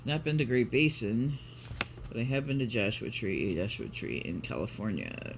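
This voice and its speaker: A man's voice: on the low side, normal speed. A man vlogging casually, chatting and reading aloud in a rambling, self-interrupting way. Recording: clear background noise, ambient sound.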